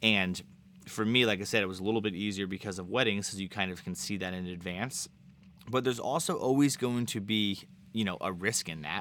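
The man's tone is bright and sharp, with a fairly low pitch. He talks at a fairly quick pace with ordinary pitch variation. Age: 30s. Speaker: videographer and business coach podcaster. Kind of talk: live Q and A call. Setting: video call.

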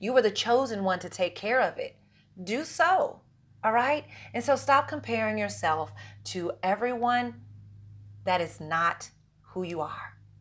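With vocal fry and a fairly high pitch, a woman speaks in an animated tone at a fairly slow pace, her intonation lively and broken by long, frequent pauses. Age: 40s. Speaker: podcast host and self-help coach. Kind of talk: motivational self-help talk.

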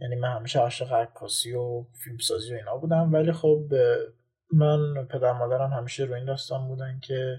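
A man speaks at a moderate pace in a fairly high, somewhat breathy voice. His tone is dark and mellow, with fairly even intonation. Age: 20s. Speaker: podcast co-host. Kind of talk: casual chat.

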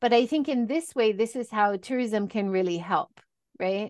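A woman with a Hawaiian accent, fairly high in pitch, with ordinary pitch variation and a quiet background. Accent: American (Hawaii). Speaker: travel business consultant. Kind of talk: interview.

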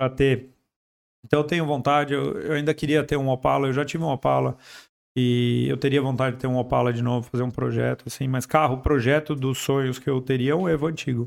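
A man's ordinary speaking voice, medium in pitch, with fairly even intonation. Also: fairly quick pace. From São Paulo city, Brazil. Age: 40s. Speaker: car enthusiast and project car builder. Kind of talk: casual interview chat.

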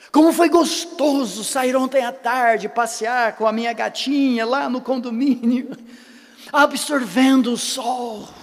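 Noticeable background noise surrounds a man speaking at an extremely high pitch. He talks at a very slow pace with ordinary pitch variation. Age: 60s. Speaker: pastor. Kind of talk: sermon.

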